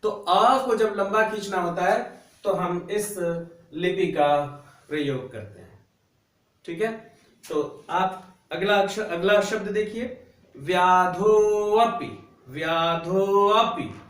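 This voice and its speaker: A man with a fairly high voice teaches a grammar lesson, drawing out each syllable with slow patience so students can copy along. He stands away from the microphone, and the room gives his voice a strong, roomy echo. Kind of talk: classroom lesson explaining grammar at a board. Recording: roomy echo, voice a bit far from the mic.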